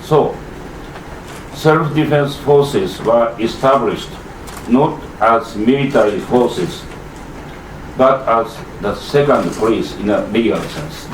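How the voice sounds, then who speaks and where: A native Japanese speaker reading prepared remarks in English at a press conference, slow and halting. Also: male voice, mid-range voice, expressive. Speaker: constitutional law professor at press conference. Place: press club conference room. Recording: roomy, distant mic, faint noise.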